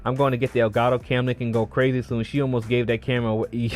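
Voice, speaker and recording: A man streams late at night, talking casually and in a rambling way about his gear and answering viewers. His voice sits at a medium pitch, and soft music plays faintly in the background. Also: little pitch movement, fast talker. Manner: loose and rambling, reads chat aloud and answers viewers. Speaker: live streamer. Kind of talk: casual live-stream tech chat. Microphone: streaming mic with audio filters.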